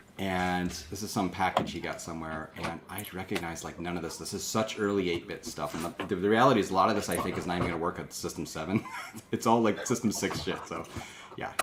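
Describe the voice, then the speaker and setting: A man with an American accent, very deep and low in pitch, at a very fast pace with ordinary pitch variation, amid noticeable background noise. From New York. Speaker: vintage computer hobbyist. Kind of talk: casual chat.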